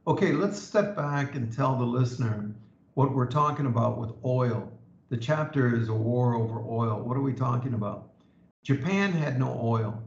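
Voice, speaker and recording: A man with a gravelly, creaky voice tells history as an emphatic storyteller on a podcast. His voice comes through dull, lo-fi audio in an echoey room. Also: mid-range voice, normal speed. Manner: emphatic storyteller, quotes historical figures in lively asides. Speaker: podcast co-host and author. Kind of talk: conversational history discussion.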